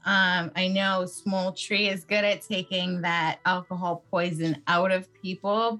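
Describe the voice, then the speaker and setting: A woman's voice: lowish voice, sharp tone, low-quality recording. A woman playing a tabletop game, chatting as a player and giggling between lines.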